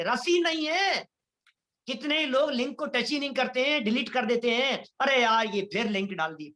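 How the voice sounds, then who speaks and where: A man preaches a devotional Jain sermon with a bright, forward tone. He addresses listeners directly as "bhai sahab" and acts out the voices of people he quotes. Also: high voice. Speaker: Jain lecturer. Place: online lecture series.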